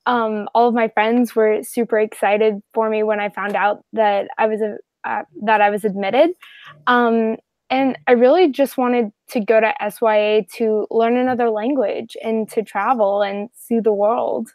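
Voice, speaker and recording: A woman's voice: fairly high pitch, fairly even intonation, unhurried, a little mellow, dry recording. A teenage girl from Atlanta talking earnestly about her program on a video call. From Atlanta, Georgia. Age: teens. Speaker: program alumna. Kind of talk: casual remote video call.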